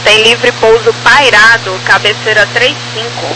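A Brazilian air traffic controller giving formal, clipped clearances over aviation radio, reading numbers out digit by digit. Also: medium pitch, fairly even intonation, a little slow. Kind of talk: clipped procedural radio commentary. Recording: noisy radio transmission with hum.

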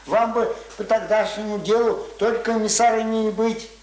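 A man's voice: sits high, fairly even intonation, normal speed, darkish tone, lightly acted. An actor playing a stubborn, uneducated old village man in a radio play, grumbling in folksy, colloquial speech. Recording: roomy radio play recording, faint noise.

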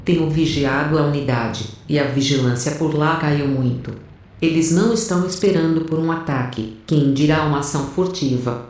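A woman's voice: deep voice, normal speed, a little mellow, lightly acted. A woman playing a brash, cocky rebel soldier in an audio drama, speaking in a slangy, self-assured way. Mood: confident. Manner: colloquial, sassy, self-assured. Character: brash, cocky, foul-mouthed female rebel soldier telling her tale. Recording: very echoey room.

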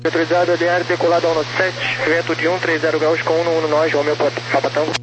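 A man with a Brazilian accent giving tower clearances as an air traffic controller over a crackly radio. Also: fairly high pitch, little pitch movement, quick pace, a bit bright. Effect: crackly radio transmission. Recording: very noisy humming aviation radio.

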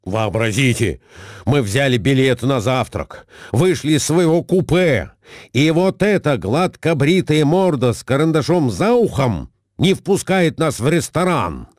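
A man's voice: mid-range voice, lively intonation, unhurried, darkish tone, no room sound, studio quality, close to an everyday voice. A man voicing a flustered middle-aged husband who swings from meek muttering to indignant bluster.

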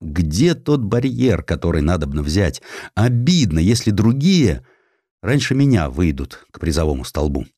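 A man voicing a self-satisfied, ambitious cavalry officer turned official, with a pompous, deliberate manner, in an audiobook. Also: low voice, big pitch swings, warm tone, breathy edge, no room sound, studio quality, voice pushed down, exaggerated voice. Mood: calculating.

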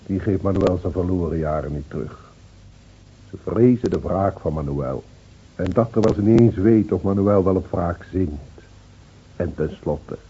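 An actor playing a stern, brooding voice of conscience in a Dutch radio drama. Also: male voice, low voice, mellow, slightly rough. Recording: dull old radio recording.

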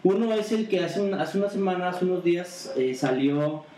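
A man's voice: high voice, lively intonation, normal speed, dark tone, roomy sound, distant mic, slight background noise, rough recording. A man with a Mexican Spanish accent chatting about politics on a podcast, rambling, full of hesitations and restarts. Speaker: podcast co-host. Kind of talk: casual political chat.

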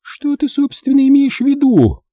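A man's voice: very high voice, sing-song, moderate pace, dark tone, no echo, pitched above the performer's own voice. A male reader voicing a strict, stately middle-aged aunt who speaks coldly and haughtily. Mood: haughty. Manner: haughty, cold and scolding.

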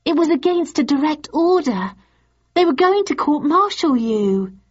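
Woman doing an eager, high young activist. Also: measured pace. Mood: excited. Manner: excited, eager, pressing. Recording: dull lo-fi audio.

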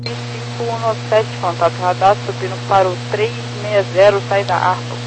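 Crackly radio, humming noise, high-pitched man, air traffic controller, clipped procedural phrasing. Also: steady tone, normal speed. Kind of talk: aviation radio communication, directing flights. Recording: humming, noisy radio transmission.

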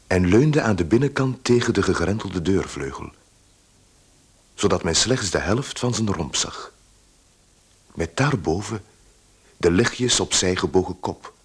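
A man narrating a literary radio play in measured, unhurried phrases. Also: low voice, animated, husky.

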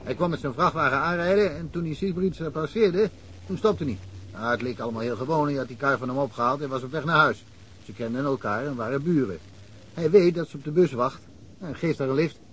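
Rambling village police chief played by a man, slightly high voice, faint hiss on an old radio-play recording. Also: fairly quick, fairly bright tone, close to an everyday voice, low-quality recording. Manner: rambling, anecdotal storytelling.

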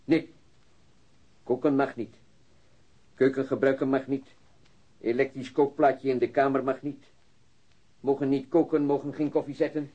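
An actor playing an immigrant truck driver who speaks halting, broken Dutch as a non-native, searching for words. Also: male voice, medium pitch, flat delivery, close to an everyday voice. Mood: plain, matter-of-fact. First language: not Dutch. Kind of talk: radio drama acting. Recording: dull, band-limited radio recording.

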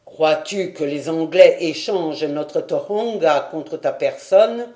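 A woman reading an audiobook, voicing a proud, menacing male tribal chief who speaks coldly and forcefully. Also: deep voice, slow pace, voice pushed down. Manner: cold, forceful, accusing.

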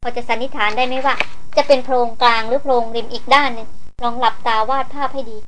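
Woman doing steady, probing male hunter leader, high-voiced. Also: slight background noise, natural voice, poor audio. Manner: measured, questioning.

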